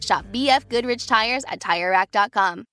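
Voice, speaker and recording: A woman's voice: on the high side, moderate pace, bright, forceful tone. An American woman reading a scripted commercial as an announcer. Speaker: advert announcer. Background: faint music.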